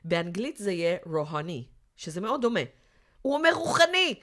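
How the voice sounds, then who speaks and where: A woman speaks as an academic guest in a casual podcast discussion. She explains in a lively, teacherly manner, at middle pitch.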